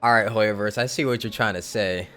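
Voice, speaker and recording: A man's voice: on the low side, brisk, sharp tone, soft background music. A young man giving casual, joking, slangy live commentary as a game streamer.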